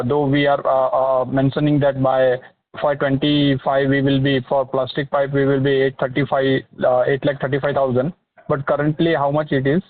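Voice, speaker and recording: Through a thin phone line, a male financial analyst with an Indian accent puts questions to management. His pitch is average and his delivery is halting, often circling back over phrases. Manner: halting, hesitant, repetitive phrasing. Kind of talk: questioning management on an earnings call. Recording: narrow phone-line sound.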